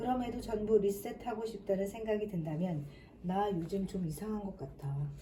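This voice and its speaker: Noticeable background noise sits behind a woman's voice. She speaks at a medium pitch with ordinary pitch variation. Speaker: audiobook reader (grandmother reading books aloud). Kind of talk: sleep-inducing book reading. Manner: soft, calm, slow.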